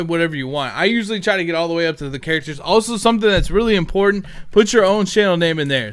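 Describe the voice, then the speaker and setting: With a voice on the high side and a fairly bright tone, this man narrates a screen-recorded tutorial through a headset that picks up a little hiss or hum. He's a gaming content creator, casual and rambling, thinking aloud as he types.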